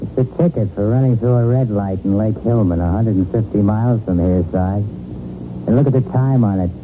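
An actor playing a cocky, short-tempered American gangster boss, tough and slangy, in 1940s radio crime drama style. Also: male voice, fairly low pitch, normal speed, lightly acted. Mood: smug, taunting. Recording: scratchy, noisy, narrow-band 1940s radio recording.

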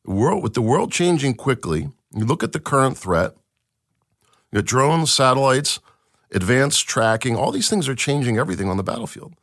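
Male podcast host, animated delivery, dry close-miked sound. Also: mid-range voice, normal speed, no echo. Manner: emphatic, enthusiastic, with restarts. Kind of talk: solo commentary reading an article.

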